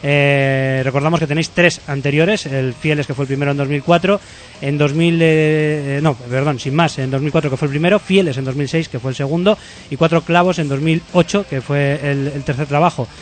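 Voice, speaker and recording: A man runs a casual interview at a brisk clip. His voice sits a little high, and he chats freely, breaking off and restarting his words. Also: fairly even intonation. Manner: chatty, self-interrupting, stammers on restarts. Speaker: radio interviewer.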